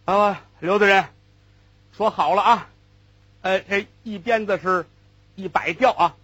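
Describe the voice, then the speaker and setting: A man voicing a crafty, vengeful old male cart driver who haggles in a drawn-out, gleeful way. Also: sits high, pushed and bright, slightly rough, no room sound, full character voice. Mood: sly.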